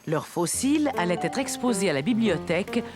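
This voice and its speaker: A woman's voice: lowish voice, expressive, brisk, over loud music. A woman narrating a French children's cartoon as a scripted storybook tale.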